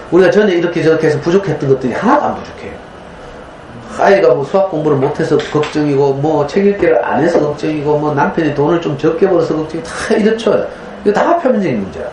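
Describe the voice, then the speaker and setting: A man's voice: a little high, a little mellow. A man, giving a conversational lecture to parents in a folksy, storytelling manner, often checking in with his audience. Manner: folksy, storytelling, frequent tag questions. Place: lecture room. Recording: roomy lecture hall with faint hum.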